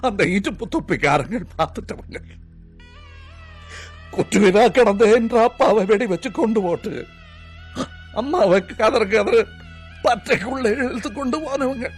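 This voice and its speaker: An actor playing a timid man with a Sri Lankan Tamil accent who is afraid of everything, reeling off his fears to a doctor in rapid rhyming lists. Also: high voice. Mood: sorrowful telling. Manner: rapid rhyming list-like recitation, nervous. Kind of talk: film comedy acting.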